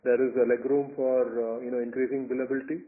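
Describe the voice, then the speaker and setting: A man's voice: medium pitch, flat delivery, quick pace. Indian-accented male executive on a tinny phone line. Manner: hesitant, repeats words while explaining. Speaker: company executive. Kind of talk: earnings call answers, unscripted. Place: conference call over phone line.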